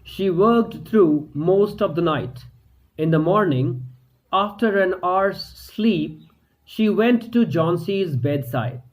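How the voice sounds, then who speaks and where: Male story narrator, high-ish voice, slow and steady. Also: poor audio. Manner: slow, measured reading. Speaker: story reader. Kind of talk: scripted narration.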